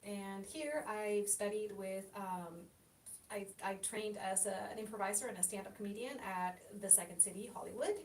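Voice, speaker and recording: A woman from Chile whose first language is Spanish, a guest chatting casually in an interview, telling lively stories and laughing often. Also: normal speed. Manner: lively, laughing anecdotal storyteller. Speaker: guest, actress and comedian. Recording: roomy, distant mic with faint rumble.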